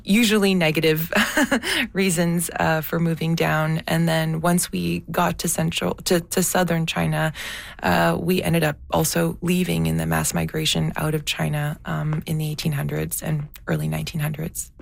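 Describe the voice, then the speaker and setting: A woman documentary filmmaker answering interview questions thoughtfully, often pausing and restarting as she searches for words. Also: sits low, level tone, creaky, no room sound.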